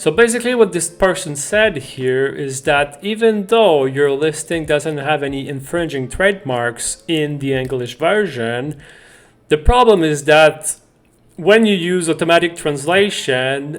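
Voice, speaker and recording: A man with a French Canadian accent speaks at a fairly slow pace and fairly high pitch with lively intonation. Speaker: print-on-demand content creator. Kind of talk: tutorial. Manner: casual, with frequent fillers and self-corrections.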